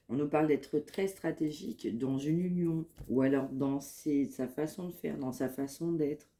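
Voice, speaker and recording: A woman with a head cold giving a spoken psychic reading to her viewers, in calm, measured, repetitive phrasing. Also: very deep voice. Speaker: medium giving a card reading.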